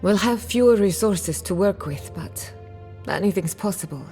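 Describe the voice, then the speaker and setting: An actress playing a proud, sharp-tongued outcast woman scholar in dramatic video game dialogue, articulate, assertive and wry. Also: mid-range voice, expressive, normal speed, soft background music, close to an everyday voice. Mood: determined.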